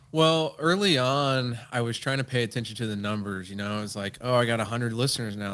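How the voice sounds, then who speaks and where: A man talks in a normal speaking voice with an American accent, at medium pitch with ordinary variation. His pace is fairly quick, with hardly any pauses. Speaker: podcast host and consultant. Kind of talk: casual interview.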